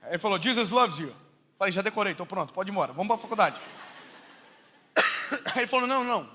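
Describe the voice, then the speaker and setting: A young Brazilian man preaching with humor, telling stories in an animated, joking way that rises to shouts. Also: high voice, fast, a little hiss or hum. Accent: Brazilian Portuguese. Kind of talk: humorous sermon storytelling.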